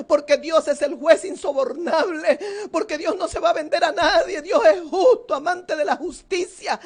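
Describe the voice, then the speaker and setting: A woman preaching a fervent sermon while seated, her voice often tearful and at times rising into loud cries. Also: sits high. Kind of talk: emotional sermon. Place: seated indoors.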